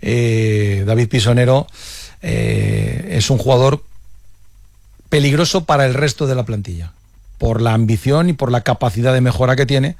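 A man presenting regional sports news on the radio, measured and pausing with frequent fillers. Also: medium pitch, a little mellow, no echo, clean studio sound.

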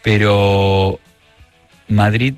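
A man with an Argentine accent, a guest on a radio show, talking in a reflective, measured way with frequent pauses and restarts. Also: fairly low pitch, little pitch movement, clean tone, faint music behind. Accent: Argentine Spanish. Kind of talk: relaxed radio conversation.

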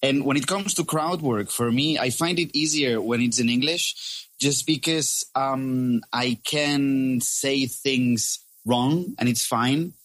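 A man's voice: mid-range voice, takes it slowly, a bit bright, dry recording. Spanish-accented man, stand-up comedian, chatty with fillers, dry close sound. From Spain. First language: Catalan and Spanish. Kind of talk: casual phone interview.

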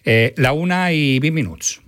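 A man hosting a radio program from the studio, trading relaxed, friendly remarks with a reporter. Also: a little high, measured pace, no echo. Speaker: radio host. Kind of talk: radio news link.

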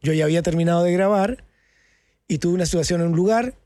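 A man's voice: sits high, quick pace, mellow, dry recording. A man with a Chilean accent, an actor talking candidly in an interview, casual and slangy with lots of fillers and tag questions.

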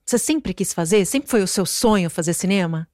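Enthusiastic TV interviewer, dry sound. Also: female voice, mid-range voice, animated, brisk, a little mellow, no echo. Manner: enthusiastic, admiring. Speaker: interviewer, TV presenter. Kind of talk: TV interview questions.

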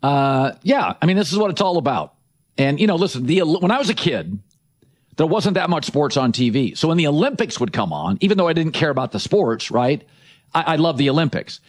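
A middle-aged man hosting a sports talk show, his voice sitting a little high for a man. He talks in brash, emphatic bursts of short punchy sentences. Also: big pitch swings, brisk. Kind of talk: opinionated sports radio talk.

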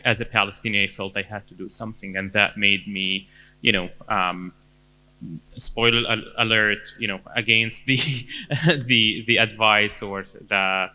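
A man in his thirties from Syria with a Syrian accent, answering interview questions in a halting way with many fillers and restarts. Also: lowish voice, sharp tone, rough recording. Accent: Syrian Arabic. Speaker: guest.

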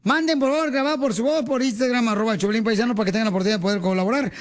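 A man hosting a radio show, joking loudly and calling his listeners countrymen. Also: very high voice, racing. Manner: rowdy, joking, calls listeners "paisanos". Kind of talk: playful radio banter.

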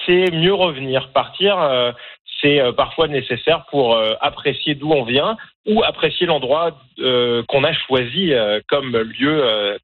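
A man from France with a French accent, a documentary filmmaker as a guest, speaking thoughtfully with many hesitations. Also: medium pitch. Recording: tinny phone-line sound.

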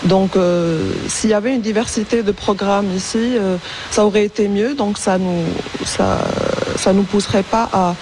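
Young woman, arabic native, lots of euh and restarts, noisy background on a live field piece. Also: mid-range voice. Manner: hesitant, many fillers and restarts. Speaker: interview guest, school support worker. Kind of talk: radio interview answers.

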